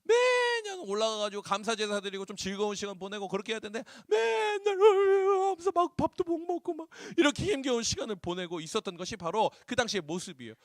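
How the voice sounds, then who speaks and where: A man preaching a sermon to high school students as their youth pastor, animated, asking them questions and acting out voices. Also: fast, hardly any pauses, dry recording, studio quality. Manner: animated, acts out voices, asks the crowd questions. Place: church hall.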